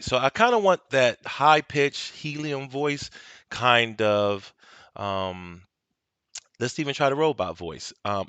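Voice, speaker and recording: A man hosting a casual software tutorial at his home desktop, explaining each step in a relaxed, instructive way with frequent "um" and "okay". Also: medium pitch, clean tone, no room sound. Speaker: video tutorial host. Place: home desk at a desktop computer.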